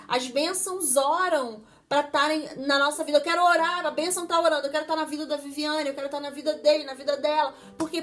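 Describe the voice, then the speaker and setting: High-voiced woman teaching with earnest emphasis. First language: Portuguese. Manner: earnest, emphatic, with many restarts; acts out prayers and God's words in quotes. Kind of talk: devotional Bible teaching.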